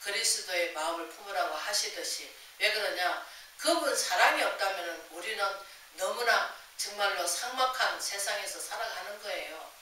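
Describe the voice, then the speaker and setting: A woman's voice: mid-range voice, animated, moderate pace, bright, forceful tone, slight background noise. A woman pastor preaching a sermon in a chatty style, asking rhetorical questions and acting out quoted voices. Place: church sanctuary. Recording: echoey church hall, voice from far off.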